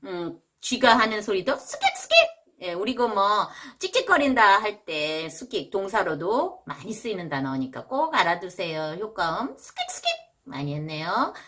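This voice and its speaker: A Korean woman teaching English vocabulary in a casual video lesson, jumping high to imitate animal sounds. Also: very animated, moderate pace, a bit bright.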